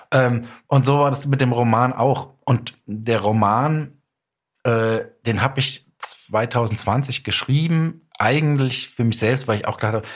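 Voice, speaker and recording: Chatty man telling anecdotes. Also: mid-range voice. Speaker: guest author of audio dramas and a novel. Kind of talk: casual podcast interview chat.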